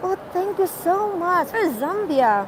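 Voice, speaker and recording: Extremely high-pitched woman's voice with lively intonation and noticeable background noise. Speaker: vlogger, live streamer. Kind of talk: live stream chat with viewers. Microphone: muffled by face mask.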